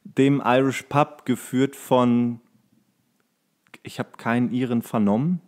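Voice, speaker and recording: A man's voice: medium pitch, steady tone, slow pace. Young man chatting in rambling, joking style. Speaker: podcast co-host. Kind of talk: casual banter, storytelling.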